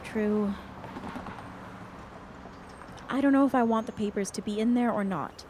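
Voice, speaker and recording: A woman's voice: on the high side, fairly quick, a little mellow, a little hiss or hum, natural voice. An actress playing an anxious, homesick young woman with a wry streak in an audio drama, speaking casually. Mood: uneasy. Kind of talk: acted dialogue in an audio drama podcast.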